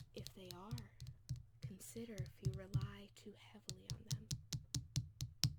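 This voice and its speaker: Very slow whispering from a woman. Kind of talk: ASMR tarot reading. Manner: soft-spoken, whispered, slow.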